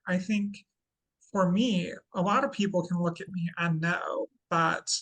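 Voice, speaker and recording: A trans woman with a relatively deep voice interviewing in a thoughtful, measured way. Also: steady tone, a bit bright. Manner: thoughtful, measured, careful wording.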